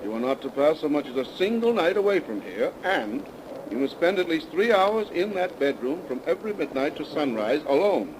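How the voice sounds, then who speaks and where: An actor playing a courteous small-town attorney in a 1930s radio drama, speaking formally and precisely on a noisy old broadcast. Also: male voice, fairly high pitch, big pitch swings, brisk.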